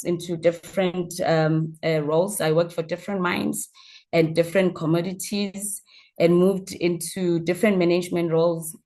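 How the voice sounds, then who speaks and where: Casting: South African woman, slightly low register, guest entrepreneur introducing herself online in hesitant, informal phrasing. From Mpumalanga, South Africa. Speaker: guest speaker, mining entrepreneur. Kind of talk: informal self-introduction talk to an online session. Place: online video call.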